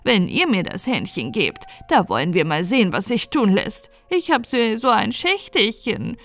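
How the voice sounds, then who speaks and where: A woman voicing a scheming old witch who coaxes and coos in a sing-song way, with soft music behind. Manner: coaxing, sing-song cooing, high and loud. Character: scheming old female witch, sly and wheedling.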